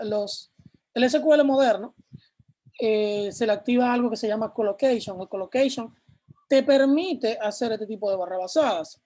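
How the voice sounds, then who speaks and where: High-voiced male programming teacher. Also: darkish tone. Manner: explains step by step, asks questions and answers them himself. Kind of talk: live class explaining code on screen.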